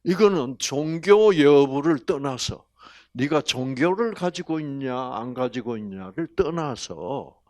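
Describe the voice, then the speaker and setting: Older Gyeongsang man lecturing, slow. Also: medium pitch, dry recording, clean studio sound. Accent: Gyeongsang Korean. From Gyeongsang region, Korea. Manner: folksy, animated storytelling with laughs and rhetorical questions. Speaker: health lecturer. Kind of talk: health lecture to an audience.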